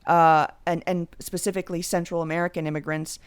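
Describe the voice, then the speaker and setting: A woman's voice: on the low side, flat delivery, fairly quick, clear, resonant tone. A woman from Venezuela co-hosting a podcast in casual chat, reflective and candid, swearing when she gets worked up. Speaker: podcast co-host.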